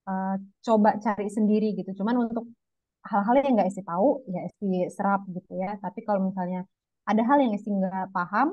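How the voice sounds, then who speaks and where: A woman's voice: medium pitch, no echo, muffled recording. A young woman guest chatting casually in an interview, talking about herself by her own name. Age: young adult. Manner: chatty, refers to herself by name, calls host "Bang".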